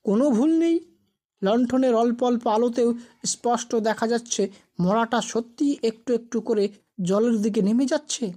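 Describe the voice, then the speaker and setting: Woman, storyteller, high-pitched voice, scripted ghost story narration. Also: moderate pace, mellow.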